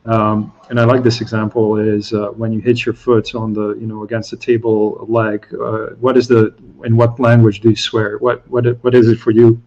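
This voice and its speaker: A man's voice: on the low side, little pitch movement, normal speed, hardly any pauses, darkish tone. Man talking through restarts, dull audio. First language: Slovak. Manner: thinking aloud, many restarts and repeated words. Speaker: guest analyst. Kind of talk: casual expert discussion.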